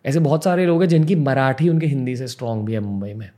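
A man's voice: medium pitch, expressive, fast talker, warm tone. A young man from Mumbai, a podcast host, telling a personal story in an earnest, reflective way and mixing in English words. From Mumbai, India.

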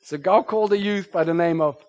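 High-voiced German-speaking pastor preaching. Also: male voice, brisk. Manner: animated, rising loud on scripture quotes, chuckles at himself. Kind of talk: sermon. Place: church.

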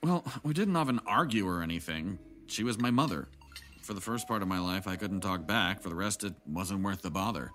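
A man's voice: low voice, lively intonation, brisk, fairly bright tone. A man playing a jaded, guarded middle-aged man in an audio drama, with wry, reflective delivery. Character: jaded, guarded older man, bitter about his family. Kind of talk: naturalistic audio drama acting. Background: background music.

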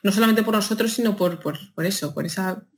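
A woman from Spain with a Madrid accent, a guest chatting in an interview and telling stories with lively emphasis and frequent laughter. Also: medium pitch, fast, a little hiss or hum. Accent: Spanish, Madrid. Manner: animated storytelling, laughs often, emphatic. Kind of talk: casual interview chat.

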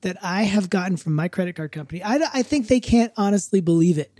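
A podcast co-host in his fifties chats casually, rambling, correcting himself, and speaking wryly. His voice is high-pitched, quick, and warm, recorded dry.

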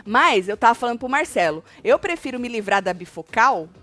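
A woman's voice: a little high, brisk, soft background music. A woman with a Brazilian Portuguese accent hosting a casual gossip commentary, telling stories animatedly and swearing freely. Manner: animated storyteller, mimics voices, swears freely. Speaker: host.

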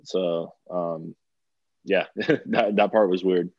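A young man from Bulgaria talks through a podcast interview in a loose, rambling way, stacking fillers and restarting his sentences. His voice sits very low. The sound is dry and a little dull, like a lo-fi recording. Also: steady tone, slow, a little mellow, no room sound. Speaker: podcast guest, DJ. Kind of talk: casual interview chat.

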